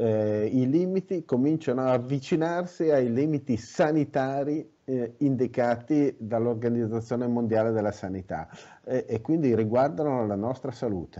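Against a quiet background, a man speaks at a moderate pace. His pitch is medium, with ordinary pitch variation. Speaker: environmental association mobility manager. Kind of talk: interview. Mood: earnest, mildly argumentative. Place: home room. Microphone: video call.

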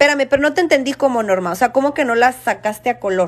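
A woman talks with a Mexican accent. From Mexico. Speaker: crafting livestreamer. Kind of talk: tutorial livestream. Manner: casual, chatty. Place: home room. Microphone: phone near.

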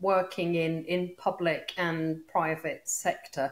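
With a British accent, a woman talks at a fairly low pitch. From UK. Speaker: entrepreneur. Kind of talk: interview. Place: home room. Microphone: webcam.

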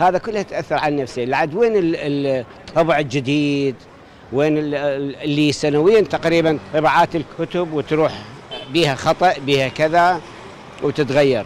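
Over light background noise, a man speaks very slowly with ordinary pitch variation in a dry sound with no echo. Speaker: interviewee. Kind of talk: interview answer. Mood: critical, complaining. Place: market. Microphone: handheld.

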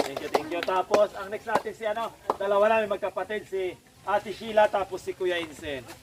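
Noticeable background noise accompanies a high-pitched man speaking with ordinary pitch variation. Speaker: vlogger running a children's community channel. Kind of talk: casual vlog narration.

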